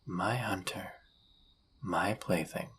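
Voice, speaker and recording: Low, slow, husky demon seducer, male actor, smug and dangerous, teasing murmurs for romantic audio drama. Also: a bit bright, slight background noise. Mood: possessive, flirty. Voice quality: husky, gravelly. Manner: smooth-talking, teasing, theatrical, often breathy and murmured. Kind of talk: flirty audio roleplay acting.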